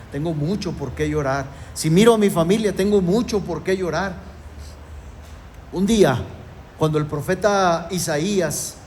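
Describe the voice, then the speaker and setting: High-voiced man preaching an emphatic sermon. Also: slight background noise. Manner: emphatic preaching, repeatedly addressing the congregation as brothers. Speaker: pastor.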